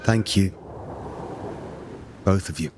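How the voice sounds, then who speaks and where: A man's voice: low-pitched, takes it slowly, noisy background. A man playing a grave, resolute young warrior hero in a video game, speaking in an earnest, terse way. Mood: subdued. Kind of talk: video game cutscene acting.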